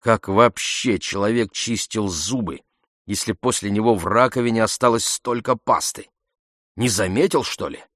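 A man narrating an audiobook in a measured, even storytelling manner into a close studio mic. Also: on the low side, no room sound.

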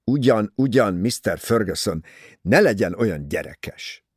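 A man's voice: on the low side, expressive, slightly rough, no room sound, studio quality. A man reading an audiobook, voicing a cold, firm male officer questioning a suspect. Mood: stern.

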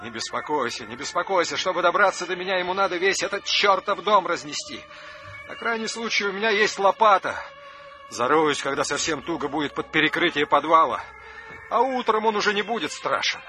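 A man's voice: high voice, expressive, fairly quick, bright, forceful tone, slight background noise. A man acting in a radio drama as a haunted, stubborn man under siege, speaking with dramatic intensity. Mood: strained, defiant. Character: haunted, stubborn man besieged by a living wind.

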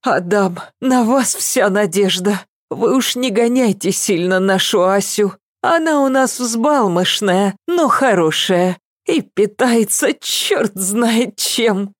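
Woman reader voicing a worried mother, grumbling and fretful, lively pitch, dry mic. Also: slow, hardly any pauses, no echo. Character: fussy, worried middle-aged mother.

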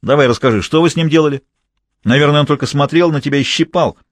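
A man voicing a jealous, hot-tempered man yelling crude insults at his girlfriend. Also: on the high side, fast talker, no room sound, clean studio sound, pitched above the performer's own voice, natural voice. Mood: yelling, contemptuous. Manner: yelling, contemptuous.

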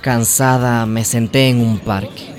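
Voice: medium pitch, steady tone, a little slow, natural voice. An actor voicing a timid, hopeful young trans woman from a village in a radio drama, telling and living the story. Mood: weary, confiding. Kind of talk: radio drama narration and dialogue. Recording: music under the voice.

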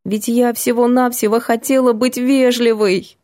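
Mellow-voiced woman reading a novel. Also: a little high, flat delivery, a little slow, dry recording, clean studio sound. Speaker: audiobook narrator. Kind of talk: first-person novel narration.

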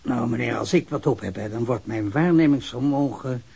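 A man's voice: medium pitch, moderate pace, vocal fry, mellow, breathy edge. Male, radio drama: wry, chatty drinker giving testimony, sardonic and slightly tipsy. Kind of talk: naturalistic radio drama acting.

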